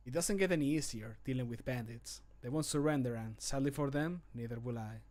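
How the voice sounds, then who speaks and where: A man voicing a grim, resolute fantasy adventurer for a video game, in measured, solemn phrases that fall away at the end. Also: mid-range voice, darkish tone, close to an everyday voice. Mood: grimly resolute. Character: grim, resolute male fantasy adventurer who fights bandits. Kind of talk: scripted video game voice line. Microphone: close studio microphone.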